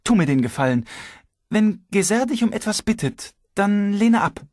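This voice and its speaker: Man doing a worried young wife: high, pleading, insistent. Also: very animated, normal speed, breathy edge, no echo, clean studio sound, heavily acted. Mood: anxious. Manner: anxious, pleading.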